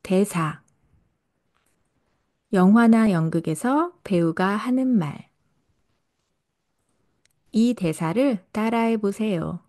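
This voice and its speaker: Woman teacher reading her podcast script real slow, soft warm tone. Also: mid-range voice. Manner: slow, careful delivery for learners. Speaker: Korean language teacher and podcast host. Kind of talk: scripted podcast narration for learners.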